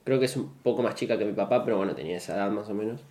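A man's voice: fairly low pitch, racing, warm tone. Reflective man. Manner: reflective, self-deprecating, uses "súper" and "o sea". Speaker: interviewee, dancer. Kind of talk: casual conversation.

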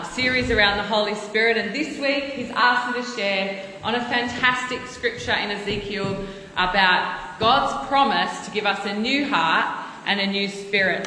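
A woman in her thirties preaches an earnest sermon built around storytelling, frequently starting her sentences over. Her mid-range voice is bright and forceful, recorded in an echoey church hall with faint background noise.

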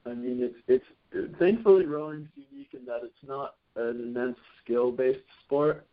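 A man's voice: medium pitch, normal speed. Young man on a tinny phone line. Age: 20s. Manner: thoughtful, restarts phrases often. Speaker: college rowing team captain. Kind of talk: reflective interview answers.

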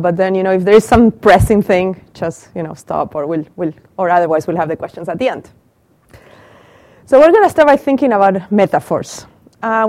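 A woman's voice: mid-range voice, darkish tone, no room sound. A middle-aged woman from Argentina with an Argentine Spanish accent, giving an interactive lecture to a small group and asking the audience questions. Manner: asks the audience questions and repeats their answers. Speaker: professor giving a talk. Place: small room with a live audience. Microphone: handheld mic.

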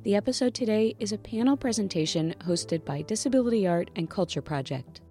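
A woman host reading a scripted podcast introduction in a measured way. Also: medium pitch, lively intonation, mellow, faint music behind.

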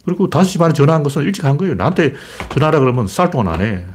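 A man's voice: fairly high pitch, sing-song, rapid-fire, darkish tone, a little hiss or hum. A man giving blunt, ranting political commentary in a casual monologue, firing off rhetorical questions.

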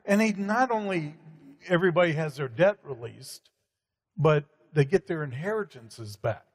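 A man's voice: fairly high pitch, animated, normal speed. A man talking in a preacherly, emphatic way with many fillers. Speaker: guest speaker. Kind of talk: conversational preaching. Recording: hall reverb.

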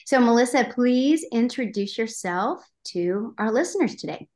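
A woman's voice: a little high, lively intonation, normal speed. Gracious Oklahoman woman hosting an interview. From Oklahoma, United States. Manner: warm, faith-centered, gracious. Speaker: podcast host. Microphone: video call.

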